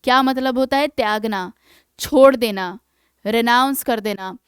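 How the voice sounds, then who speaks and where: A woman teaching English vocabulary for exam preparation, explaining in Hindi and reading English example sentences slowly and deliberately, often checking in with her students. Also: fairly high pitch, clean tone, no room sound. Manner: keeps checking in with "है ना". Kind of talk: exam-prep vocabulary lesson.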